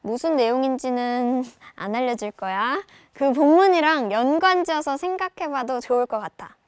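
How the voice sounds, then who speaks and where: A woman's voice: high voice, normal speed, clear, resonant tone, dry recording, clean studio sound. A young woman reviewing a novel for viewers in a playful, casual tone, talking to them like friends. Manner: playful, lively, speaks in casual banmal to viewers. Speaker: book reviewer and reading tutor.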